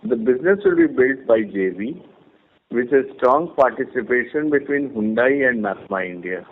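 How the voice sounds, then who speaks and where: Executive on a tinny phone line. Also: male voice, mid-range voice, animated, slight background noise. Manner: measured, explanatory, with restarts. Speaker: company executive answering analysts. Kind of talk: earnings call answers.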